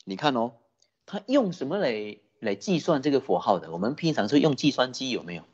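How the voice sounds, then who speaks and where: A Buddhist dharma teacher telling a story in a sermon, animated, often asking the listeners questions. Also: mid-range voice, fairly quick, husky, dull audio. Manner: animated, many rhetorical questions to the audience.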